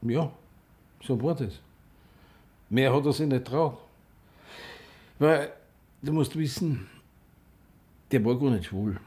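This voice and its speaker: An actor playing a flamboyant, sharp-tongued gay drag performer in a radio drama, theatrical and teasing, with an Austrian accent. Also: male voice, medium pitch, takes it slowly, pauses often, slightly rough. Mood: reminiscing. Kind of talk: naturalistic radio drama dialogue.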